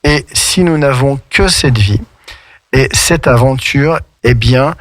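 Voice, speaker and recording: Slow, patient French radio teacher, dry. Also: male voice, mid-range voice, dry recording. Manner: slow and patient, spells words out letter by letter. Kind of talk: radio English lesson, explaining song lyrics. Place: radio studio.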